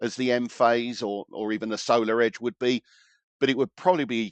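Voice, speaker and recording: A man's medium-pitched voice with an English accent, at a moderate pace, dry and close with no echo. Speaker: author and tech commentator. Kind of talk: casual chat.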